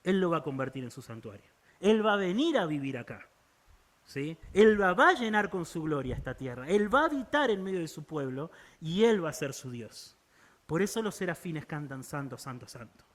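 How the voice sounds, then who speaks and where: A man's voice: high voice, big pitch swings, moderate pace. A man preaching a sermon in Argentine Spanish, earnest and pleading, often checking in with his listeners. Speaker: pastor.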